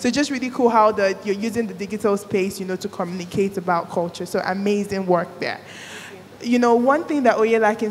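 In a Nigerian accent, a woman talks at a fairly quick pace with fairly even intonation, over light background noise. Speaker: panel moderator. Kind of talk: panel moderation. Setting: stage with audience. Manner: casual, filler-heavy. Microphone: handheld.

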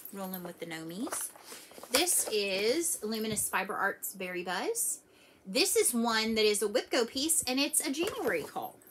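Against noticeable background noise, a woman with a fairly high pitch speaks at a moderate pace with very wide pitch swings. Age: 40s. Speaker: cross-stitch vlogger. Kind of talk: casual show-and-tell vlog. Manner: chatty, many filler ums. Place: home room. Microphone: phone near.

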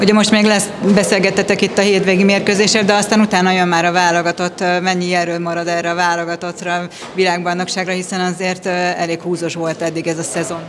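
A woman with a fairly low voice speaks at a fairly quick pace in a monotone, flat intonation amid noticeable background noise. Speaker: sports reporter. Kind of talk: post-match interview. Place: hall.

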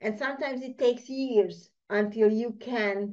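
A woman speaks with a Hungarian accent and ordinary pitch variation. The background is quiet. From Hungary. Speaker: political science researcher; conference presenter. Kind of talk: conference presentation. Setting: video call. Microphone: connection freezing; video call.

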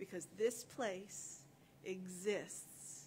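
With light background noise, a woman reads at a very slow pace in a somewhat breathy, medium-pitched voice with ordinary pitch variation. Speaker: minister leading a meditation. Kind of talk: guided meditation. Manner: slow, soothing, calm; gentle, inviting. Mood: calm, soothing. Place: church. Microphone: podium.

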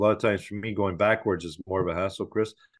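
A man with a northern Ontario accent and fairly low pitch against a quiet background. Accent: Canadian (northern Ontario). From northwestern Ontario, Canada. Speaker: mayor. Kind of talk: interview.

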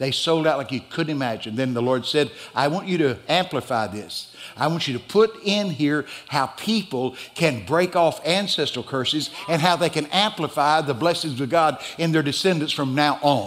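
This is a man talking at a moderate pace. His intonation is lively. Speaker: guest preacher. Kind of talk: sermon. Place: church. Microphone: headset.

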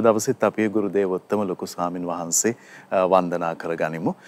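A man with a fairly low-pitched voice speaks in a dry sound with no echo. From Sri Lanka. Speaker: TV and radio presenter; radio presenter. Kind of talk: formal religious program hosting. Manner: formal. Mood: reverent, devotional. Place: studio. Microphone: lapel.

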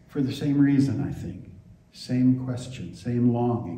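A man speaks with fairly even intonation. There is audible room echo. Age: 60s. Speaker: priest. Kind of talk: sermon. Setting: church. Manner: calm. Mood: calm, reflective. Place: church. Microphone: camera far.

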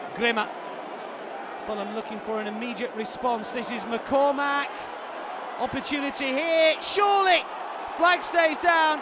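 Speaking fairly slowly with long, frequent pauses, a man with a British accent uses a raised, projected voice at an extremely high pitch and an animated tone. The sound is dry with no echo, though background noise is noticeable. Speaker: football commentator. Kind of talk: live football commentary. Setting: stadium broadcast commentary. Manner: animated, excitable. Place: stadium. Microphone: headset.

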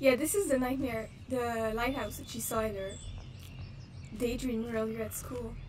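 The speaker talks quietly at a moderate pace, with fairly even intonation. Long pauses come often, over light background noise. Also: woman, fairly high pitch for a woman. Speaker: gamer. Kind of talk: casual let's play commentary.

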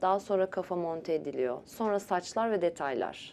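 At a fairly slow pace, a woman speaks in a fairly low pitch with a dark, mellow tone and ordinary pitch variation. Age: 30s. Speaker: boutique cake maker. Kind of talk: interview. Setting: studio.

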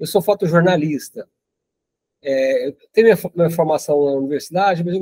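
A man speaks at a fairly quick pace in a high voice with a dark, mellow tone. His intonation stays fairly even, and the sound is dry with no echo. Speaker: photography show presenter; presenter. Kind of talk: interview questions. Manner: halting. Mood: thoughtful, engaged.

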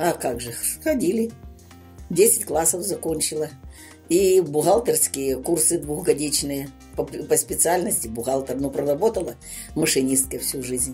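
Faint music plays in the background as a woman speaks at a fairly slow pace with long, frequent pauses. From Kazakhstan. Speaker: grandmother. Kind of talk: casual chat. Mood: calm, reminiscing. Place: home room.

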